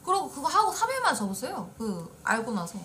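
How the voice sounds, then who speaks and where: Bright-voiced young woman, playful. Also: a little high, very animated, quick pace, a little hiss or hum. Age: 20s. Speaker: streamer guest. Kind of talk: casual live-stream chat. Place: indoor streaming room, seated.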